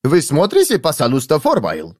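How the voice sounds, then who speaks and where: Man putting on a high polite little judo teacher, hissy, broken grammar, audiobook. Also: huge pitch swings, moderate pace, darkish tone, no echo, studio quality. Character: small polite male judo instructor, hissing.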